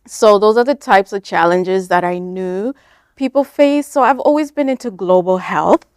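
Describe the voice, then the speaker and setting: A Kenyan woman, a nonprofit founder appearing as an interview guest, speaks at a moderate pace in a mid-range, darkish, clean voice. The dry, studio-quality recording captures her informal, explanatory answers, peppered with "like" and "you know".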